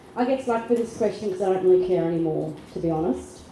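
A woman's fairly low voice with an Australian accent and fairly even intonation. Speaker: professor. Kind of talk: panel discussion. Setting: stage with audience.

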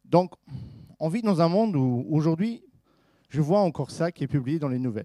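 The delivery has a dark, mellow tone and lively intonation at a moderate pace, broken by long, frequent pauses. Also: man, fairly high pitch for a man. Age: 50s. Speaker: conference speaker. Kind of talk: lecture.

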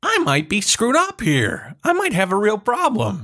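A man at a moderate pace with very wide pitch swings, on a very clean recording with a silent background. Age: 30s. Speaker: travel podcaster. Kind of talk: solo podcast monologue. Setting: recording in a closet. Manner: hesitant, many fillers.

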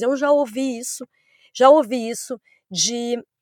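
High-pitched woman's voice, dry and close with no echo, on a very clean recording with a silent background. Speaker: political commentator. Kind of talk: casual political discussion. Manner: halting.

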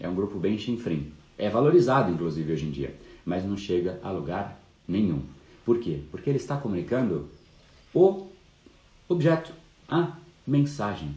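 In a Brazilian accent, the speaker's dark, mellow, somewhat breathy voice moves through very wide pitch swings, with long, frequent pauses and audible room echo. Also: man, fairly low pitch for a man, moderate pace. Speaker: communication and persuasion coach. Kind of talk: live stream talk. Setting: Instagram live stream.

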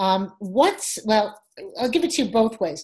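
A woman with a normal speaking voice, at a fairly slow pace and with lively intonation. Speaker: podcast co-host. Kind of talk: interview.

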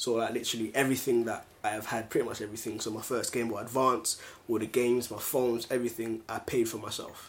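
Very fast and in a flat monotone, a man with a London accent talks at a medium pitch. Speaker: podcast co-host. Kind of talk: casual chat.

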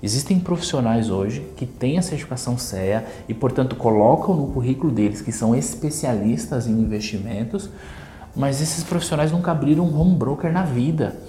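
A man speaks at a moderate pace in a medium pitch, his voice swinging very widely up and down, with noticeable background noise and audible room echo. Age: 30s. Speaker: finance podcast host. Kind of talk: solo podcast monologue. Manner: animated.

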